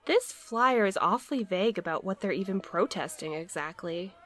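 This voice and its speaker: Woman playing an earnest, practical co-worker, medium-pitched. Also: animated, normal speed, a bit bright. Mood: concerned. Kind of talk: audio drama dialogue, conversational.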